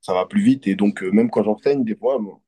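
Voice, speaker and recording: Man from Côte d'Ivoire, hypnotist guest; low husky voice, reflective and earnest. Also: fairly quick, mellow. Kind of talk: casual interview conversation.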